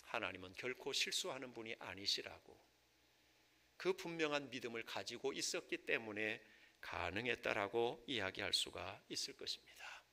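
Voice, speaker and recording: A male pastor preaching a Sunday sermon in church, rising to loud impassioned stretches and falling to soft, hushed passages. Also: mid-range voice, animated, normal speed, creaky. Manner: swells to loud impassioned preaching, then drops to soft near-whispers. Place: church sanctuary.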